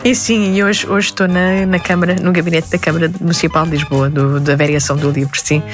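A woman's voice: sits low, steady tone, a little fast, over music. A woman born in Lebanon, speaking, telling stories as an interview guest. She often laughs and restarts her words. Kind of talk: conversational interview.

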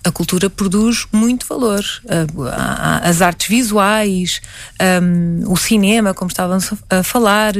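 A woman's voice: mid-range voice, measured pace, dry recording. A woman from Portugal with a European Portuguese accent, a painter answering interview questions reflectively, often restarting her words.

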